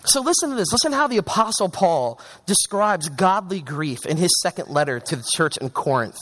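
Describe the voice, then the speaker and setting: A young man preaching a sermon in an animated, conversational way, with chatty asides to the congregation. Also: high voice, normal speed.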